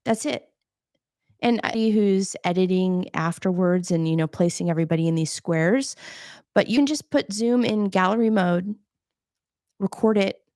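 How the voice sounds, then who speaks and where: A soft-voiced woman hosting a live podcasting Q&A, chatting casually while she shows gear on camera. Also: mid-range voice, moderate pace, dry recording, clean studio sound. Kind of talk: casual live-stream tutorial.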